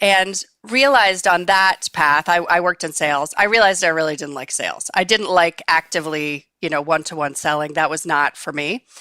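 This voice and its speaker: A woman with an American accent at a fairly quick pace, her tone bright and sharp, on a very clean recording with a silent background. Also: fairly low pitch for a woman, ordinary pitch variation, dry, close sound with no echo. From United States. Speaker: marketing executive. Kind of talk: interview.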